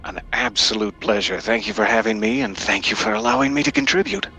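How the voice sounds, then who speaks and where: Bright, gravelly man chatting as a guest. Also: medium pitch, wildly swooping pitch, a little fast, soft background music, poor audio. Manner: playful, polite, tongue-in-cheek. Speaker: podcast guest, voice actor. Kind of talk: casual interview chat.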